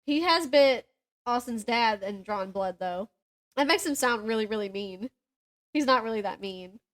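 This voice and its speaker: Her voice sits on the high side at normal speed as she co-hosts a chatty book podcast. She recounts things in a slangy, informal style, performing people's lines with animation.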